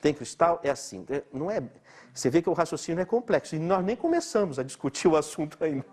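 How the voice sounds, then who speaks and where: A man's voice: on the high side, very animated, fast, darkish tone. A middle-aged man from Brazil giving a chatty, informal lecture, laughing often and asking his listeners rhetorical questions. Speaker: doctor lecturing.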